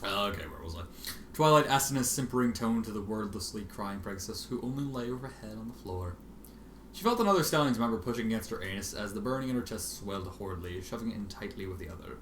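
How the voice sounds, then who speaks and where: A man reading fan fiction aloud in an expressive, sardonic manner, with casual asides. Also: lowish voice, quick pace. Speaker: amateur fan fiction reader. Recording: roomy, faintly noisy home recording.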